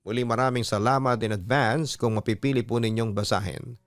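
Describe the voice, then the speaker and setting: A man's voice: medium pitch, fairly even intonation, a little fast, no room sound. Filipino male storyteller, dry close sound. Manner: earnest, exhorting. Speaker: storytelling show host and narrator. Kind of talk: reading a listener's letter and giving earnest advice. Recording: music playing behind a dry voice. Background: background music.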